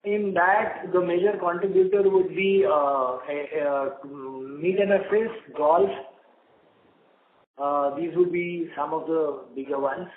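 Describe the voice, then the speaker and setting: A man's voice: a little high, steady tone, takes it slowly. A man speaking as a company executive, answering questions on an earnings call. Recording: echoey, narrow conference phone line.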